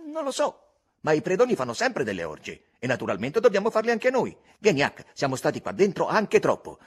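A man voicing a bold adventurous boy who talks eagerly and exclaims a lot, with a slightly husky voice. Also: a little high, wildly swooping pitch, a little fast, pitched above the performer's own voice, full character voice.

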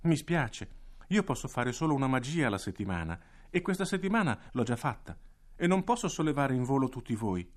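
A man voicing a calm little magic sprite. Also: mid-range voice, fairly quick, pitched above the performer's own voice, close to an everyday voice. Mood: helpful. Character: small invisible flying magical male sprite.

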